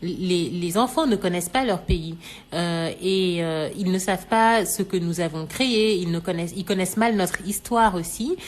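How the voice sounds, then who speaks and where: A woman from Senegal explaining on a radio talk show, measured and thoughtful, with many fillers. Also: lowish voice. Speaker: radio show expert guest.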